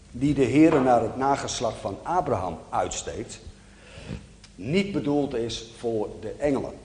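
A man preaching a sermon, explaining a Bible passage in a measured, teaching manner. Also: medium pitch, darkish tone. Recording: echoey hall with long reverb.

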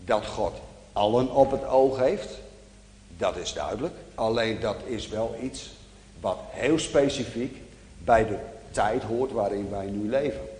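In a roomy space where long hall reverb follows every phrase, a man preaches a sermon and unpacks scripture. He teaches calmly and deliberately, speaking slowly at a mid pitch.

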